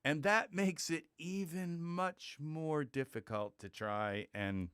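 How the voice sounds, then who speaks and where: Slow, clear-voiced man explaining software. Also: a little high, no echo, studio quality. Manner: thinking aloud, loose and chatty, with sound-word beats. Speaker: music tutorial host. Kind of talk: screen-recorded software tutorial.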